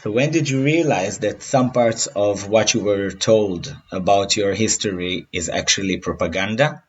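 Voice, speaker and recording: A man hosts a podcast and interviews his student in a friendly way. His voice sits a little low, and the sound is dull and lo-fi. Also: normal speed, breathy edge. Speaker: podcast host and Hebrew teacher.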